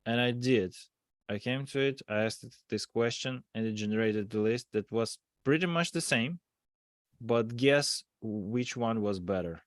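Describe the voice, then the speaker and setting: A man's voice: mid-range voice, unhurried, no echo. Man, dry sound, chatting casually. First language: not English. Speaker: podcast panelist, cybersecurity expert. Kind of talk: casual anecdote telling. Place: remote online call.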